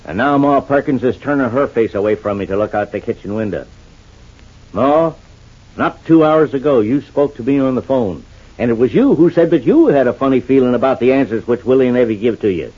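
A man's voice: medium pitch, expressive, brisk, husky. An actor playing Shuffle, a plain-spoken rural older man with a rural American accent, talking in an earnest, folksy drawl in a radio soap. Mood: pleading. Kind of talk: 1940s radio acting. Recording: dull old radio transcription.

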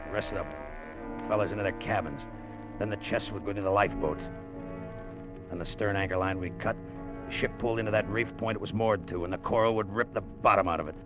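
A man's voice: low voice, close to an everyday voice. An actor playing a greedy, treacherous sailor in a 1940s radio drama, narrating his schemes and lurching into manic outbursts. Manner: tense, wild swings into manic shouting. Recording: dull lo-fi old radio broadcast with music.

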